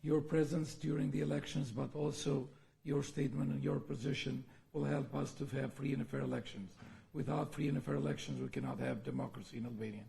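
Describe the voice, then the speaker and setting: A man with a hoarse voice, making a steady formal statement at a meeting and listing points. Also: mid-range voice, brisk, rough recording. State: hoarse, lost voice. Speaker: politician adding remarks.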